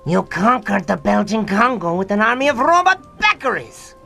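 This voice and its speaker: A woman's voice: medium pitch, animated, normal speed, vocal fry, bright, forceful tone. A woman playing a grandiose, indignant young male mad scientist in a melodramatic comedy radio play. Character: pompous young male mad scientist, theatrical upstart villain. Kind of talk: comedic radio drama acting. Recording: music behind the voice.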